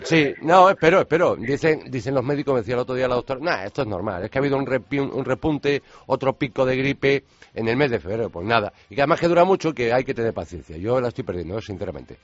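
A male radio host with a Castilian Spanish accent chats in a nasal, congested voice, clearly carrying a cold. His pitch is average for a man, and the close, dry recording is slightly muffled. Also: animated, fast talker. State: has a heavy cold. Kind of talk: radio interview and chat. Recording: slightly dull, roomy radio audio.

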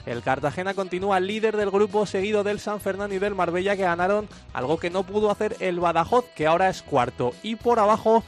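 High-voiced man presenting football round-up. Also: brisk, soft background music. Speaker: sports radio presenter. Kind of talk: scripted league round-up narration.

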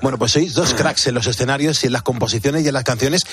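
A man with an accent from Spain, presenting a radio morning show in a lively style, in a studio. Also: medium pitch, quick pace, slightly rough. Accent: Spanish from Spain.

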